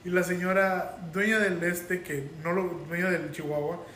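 A man's voice: sits high, normal speed, roomy sound, a little hiss or hum. A man from Mexico with a Mexican Spanish accent, telling anecdotes animatedly in casual podcast chat. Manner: animated storyteller.

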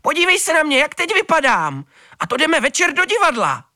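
A man voicing a vain, fussy female cat in a storybook reading, with a shrill scolding voice. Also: lively intonation, pushed and bright.

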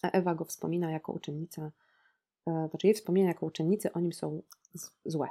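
A woman's voice: deep voice, steady tone, fairly quick, mellow, breathy edge. A woman in her thirties discussing a novel on a podcast, ironic and reflective, with frequent hesitations and rhetorical questions. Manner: asks listeners rhetorical questions.

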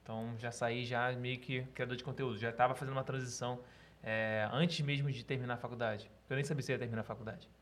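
A man chatting casually as a podcast guest, telling stories in an animated, joking way. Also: medium pitch. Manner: fast, animated storytelling with laughs.

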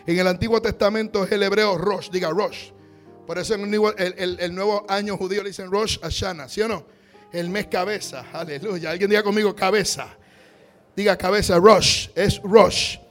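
A man preaching a sermon, calling on the congregation to repeat after him and rising to shouts. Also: high voice, steady tone, moderate pace, faint music behind. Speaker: pastor.

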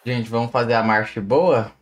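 A man's voice: medium pitch, steady tone, normal speed, a little hiss or hum. A man with a São Paulo accent, goofing around on a casual group call. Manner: goofy, slangy, hypes the segment. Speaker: co-host.

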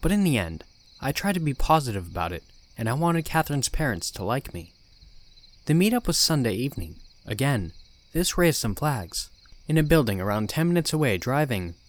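A man narrating a first-person horror story as the podcast's narrator, in a calm, even telling. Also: medium pitch, brisk.

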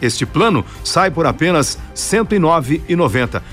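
A man's voice: fairly high pitch, animated, normal speed, fairly bright tone, soft background music. Brazilian man delivering a hard-sell radio ad. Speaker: radio host reading a live sponsor ad.

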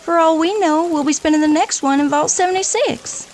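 Very high, bubbly young best friend. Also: female voice, brisk, a little hiss or hum. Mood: teasing, encouraging. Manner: playful, coaxing. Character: bubbly young woman, teasing party-loving best friend. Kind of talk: audio drama acting. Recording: loud music bed behind the voice.

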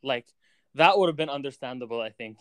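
A young man in a casual chat, reacting quickly and speaking bluntly with plenty of swearing. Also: mid-range voice, expressive, smooth, no echo.

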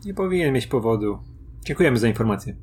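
A man's voice: mid-range voice, expressive, fast talker, a little mellow, a little hiss or hum. A man playing a tabletop game, talking with an intense, dramatic manner. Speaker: player. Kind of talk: casual chat at a tabletop game.

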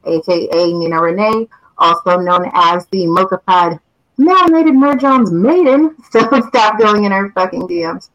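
A woman's voice: medium pitch, normal speed, a bit bright, dull audio. A woman on a podcast, talking in a sassy, profane way. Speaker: podcast guest. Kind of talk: casual podcast chat.

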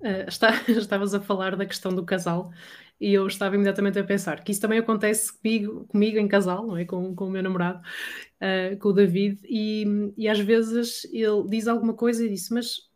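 A woman with a European Portuguese accent, a voice coach explaining techniques in an energetic, chatty podcast conversation. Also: mid-range voice, fairly quick. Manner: energetic, explanatory, acts out quoted dialogue. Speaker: voice coach guest. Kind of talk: casual podcast chat.

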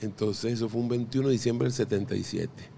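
A man's voice: lowish voice, fairly quick, vocal fry, dark tone, a little hiss or hum. A middle-aged Venezuelan man, a podcast guest, chatting casually and telling anecdotes with jokes and frequent restarts. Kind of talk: casual interview chat.

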